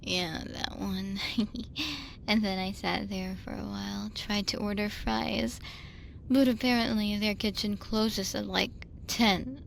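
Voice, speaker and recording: A woman's voice: mid-range voice, steady tone, slow pace, gravelly, a little hiss or hum. A woman playing a drunk, lonely young woman in an ASMR roleplay, rambling and giggling her way through a late-night voicemail with tipsy hesitations. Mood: wry, rambling.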